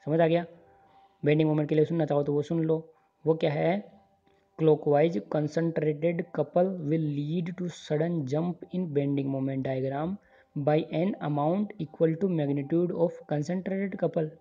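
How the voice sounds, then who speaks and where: A man's voice: on the high side, fairly even intonation, very slow, breathy edge, narrow, tinny audio. A man teaching engineering in an online lecture over handwritten notes, drilling formulas and checking in often with his students. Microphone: voice-over on screen recording.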